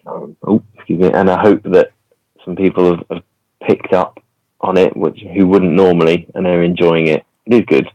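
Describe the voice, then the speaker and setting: A man's voice: sits low, steady tone, normal speed, no room sound. An English man on a remote call, sounding muffled as if talking in a bucket, chatting casually and joking. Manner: joking, laughs often. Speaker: podcast guest. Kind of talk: casual chat. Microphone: remote call on poor internet. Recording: dull muffled call audio.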